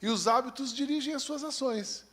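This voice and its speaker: Paulistano pastor guy, highish voice, reads the bible then jokes around with the church. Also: moderate pace, fairly bright tone. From São Paulo, Brazil. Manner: reads scripture steadily, then chats in a folksy, joking way. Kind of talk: sermon with scripture reading.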